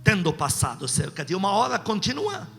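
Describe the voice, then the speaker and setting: A man's voice: high-pitched, wildly swooping pitch, a little fast, vocal fry, fairly bright tone. A man with a Brazilian accent preaching emphatically to a congregation as a pastor, exhorting and posing rhetorical questions. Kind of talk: sermon with call and response. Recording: long hall reverb, music behind.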